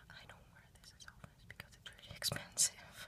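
A woman whispers at a fairly quick pace. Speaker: ASMR video creator. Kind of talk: ASMR whispered show-and-tell talk to camera. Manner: whispered, soft. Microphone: phone near.

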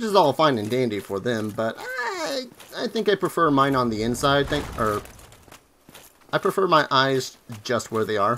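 Long, frequent pauses break up a man's fairly high-pitched speech, which has very wide pitch swings and a moderate pace over noticeable background noise. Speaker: video game streamer. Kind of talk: gameplay commentary, let's play. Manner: casual, chatty, animated.

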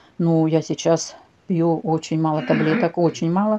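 At a moderate pace, a woman speaks in a fairly low, dark, mellow tone with fairly even intonation. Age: 60s. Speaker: customer giving product testimonial. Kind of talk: testimony; testimonial. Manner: halting. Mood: earnest, grateful. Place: home room. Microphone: phone near.

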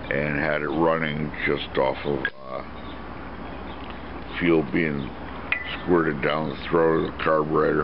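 Over noticeable background noise, a man with a very deep, low pitch speaks in a monotone, flat way at a fairly slow pace, with long, frequent pauses. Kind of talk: tutorial. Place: garden. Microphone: phone near.

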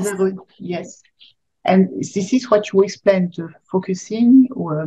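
With a French accent, a woman speaks at a very slow pace in a dark, mellow, somewhat breathy tone, with ordinary pitch variation and big swings in loudness. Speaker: coach and interviewer. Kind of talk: interview questions. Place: home room.

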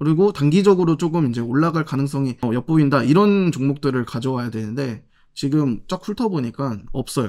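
With hardly any pauses and a fairly quick pace, a dark, mellow voice moves through lively intonation against a quiet background. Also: man, fairly high pitch for a man. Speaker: crypto market analyst. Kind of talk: chart analysis commentary. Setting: studio live stream. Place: studio. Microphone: studio mic.

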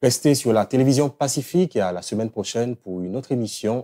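A man speaks at a fairly quick clip with a dark, mellow tone. His pitch varies in an ordinary way, and the background is quiet. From Haiti. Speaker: TV talk show host. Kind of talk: interview. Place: studio. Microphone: lapel.

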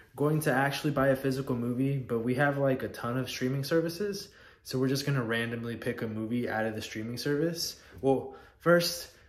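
With ordinary pitch variation, a man talks at a fairly quick pace amid audible room echo. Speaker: couple vlogger. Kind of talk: casual vlog chat. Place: home room. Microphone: phone near.

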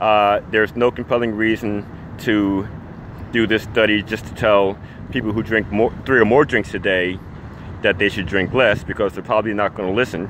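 A man's fairly low voice at a moderate pace with fairly even intonation, light background noise behind it. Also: dry sound with no echo. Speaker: social commentator. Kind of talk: opinion monologue. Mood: critical, earnest. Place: street. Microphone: phone near.

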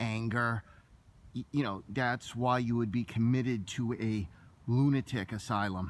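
At a fairly slow pace, a man speaks with fairly even intonation in a dry sound with no echo. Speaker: urban explorer vlogger. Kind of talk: casual vlog chat. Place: open country. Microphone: phone near.

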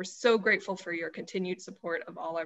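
A woman speaks in a bright, sharp tone. Her pace is fairly quick. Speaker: museum public programs staff. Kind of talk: event introduction. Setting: video call. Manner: formal. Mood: warm, welcoming. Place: home room. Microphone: video call.

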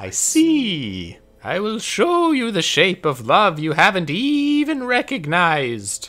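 A put-on character voice at middle pitch, fairly slow in pace, with hardly any pauses. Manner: mystical, knowing.

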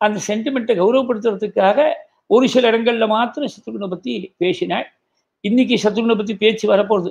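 Here a man speaks with a high-pitched voice. His intonation stays fairly even. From Tamil Nadu, India. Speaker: religious discourse speaker; speaker. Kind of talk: religious discourse. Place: home room.

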